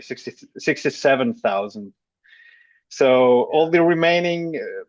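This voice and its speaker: A man in his thirties hosting a podcast interview, speaking in a hesitant, halting way with frequent repeats. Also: mid-range voice, no room sound, highs cut off. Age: 30s. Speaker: podcast host. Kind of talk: casual interview talk.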